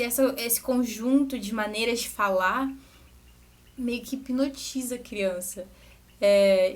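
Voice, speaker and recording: A young adult woman, a music teacher, explaining to parents in a relaxed, conversational way with asides and restarts. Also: on the high side. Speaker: music teacher and channel host. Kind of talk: educational talk to parents.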